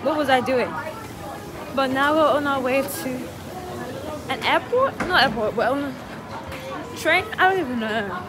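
A woman's voice: sits high, lively intonation, a little slow, long pauses. A young woman, filming a casual travel vlog on her phone at arm's length, chatty and jokey. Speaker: vlogger. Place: airport, train and hotel. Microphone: phone camera at arm's length. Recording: loud crowd and travel noise behind.

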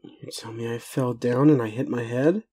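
A man playing a groggy, gentle, doubting werewolf in an intimate audio roleplay, speaking tenderly and haltingly to the listener as a doting caregiver. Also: mid-range voice, fairly even intonation, slightly rough, natural voice. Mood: doubting, tired.

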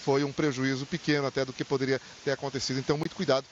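A middle-aged man with a Brazilian accent reporting live from a city street into a handheld mic, conversational and animated, sometimes restarting phrases. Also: mid-range voice, very fast. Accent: Brazilian Portuguese. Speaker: field reporter. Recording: slightly dull with faint hiss.

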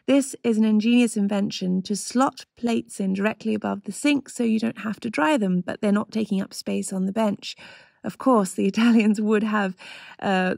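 A woman's voice: medium pitch, gravelly, darkish tone, no room sound, studio quality. A woman in her thirties, a lifestyle vlogger from Australia, narrating her home kitchen renovation in a chatty, enthusiastic way and laughing often. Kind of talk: voice-over narration and casual vlog talk.

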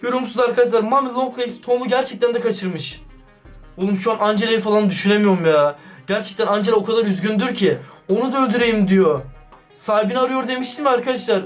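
A man doing excited, casual vlog commentary, slangy and talking straight to his viewers. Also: very high-pitched. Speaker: YouTuber reacting to a chat. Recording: distant mic with background music.

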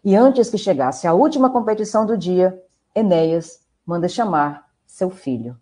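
A woman's voice: lowish voice, animated, moderate pace, dark tone. A woman with a Brazilian accent, narrating a scripted tale in a theatrical, playful way.

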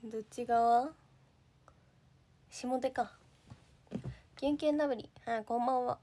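A slightly high-voiced young woman from Japan chats casually into her phone. She sounds bubbly and talkative as she reads viewer comments and thanks them one by one. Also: steady tone, unhurried, dark tone. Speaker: idol livestreamer. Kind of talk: casual livestream chat reading comments.

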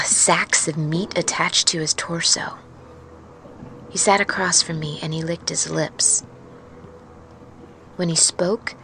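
A woman playing a wary, haunted truck driver in an intimate, confiding, halting audio-drama monologue. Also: lowish voice, creaky, fairly bright tone, slight background noise. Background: music.

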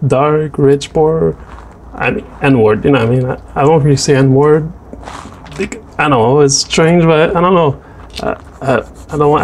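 Male French Canadian voice-over, native French speaker, hesitant and chatty, mellow tone, mid pitch. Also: a little hiss or hum. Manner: hesitant, many restarts and fillers. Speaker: artist narrating a drawing video. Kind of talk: casual voice-over chat.

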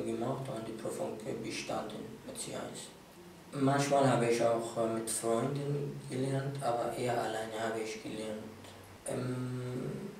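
A man's voice: mid-range voice, vocal fry, a little mellow. A young man from Iraq whose first language is Yazidi Kurdish, giving a hesitant interview with many filler sounds and restarts, seated in a small office. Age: young adult. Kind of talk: interview about integration. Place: small office room with filing shelves. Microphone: room mic from a far camera. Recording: echoey room, distant mic, faint hiss.

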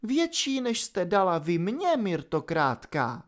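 Give me a scheming female pixie villain from an audiobook, as a man puts her on: a high, hushed voice that drawls each word with cold mockery. She sounds amused and cruel, never raising her voice. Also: wildly swooping pitch. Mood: mocking. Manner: softly taunting, drawn-out.

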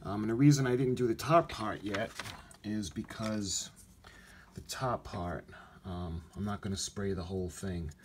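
A man giving a casual hands-on hobby tutorial, thinking aloud in a halting way as he works at home. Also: on the low side. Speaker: hobby model builder, video host. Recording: noisy handheld home video sound.

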